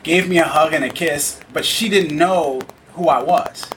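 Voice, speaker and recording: A man chatting casually on a podcast, telling stories with lively acted-out quotes. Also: on the high side, unhurried, slight background noise. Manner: animated storyteller, acts out quoted voices. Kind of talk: casual conversation.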